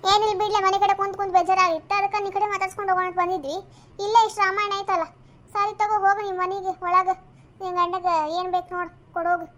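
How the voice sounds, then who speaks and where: Cartoon village neighbor lady, done by an actor, high bright voice, soothing and coaxing. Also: fast, a little hiss or hum. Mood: chatty. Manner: coaxing, calming. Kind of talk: cartoon comedy voice acting.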